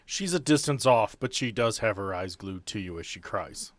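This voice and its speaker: A man's voice: on the low side, animated, moderate pace, dry recording. A man acting as game master on a podcast, mixing casual narration with banter.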